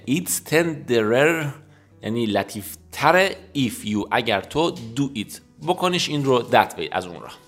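A man teaching an English lesson, explaining quickly and then repeating English sentences slowly and carefully. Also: mid-range voice, vocal fry. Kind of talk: language lesson. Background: soft guitar music.

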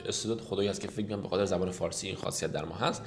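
A man whose first language is Persian, teaching English phrases in a casual lesson, reading example lines slowly and explaining them quickly. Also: sits low, fairly even intonation. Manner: explains rapidly in casual Persian, addressing viewers as kids.

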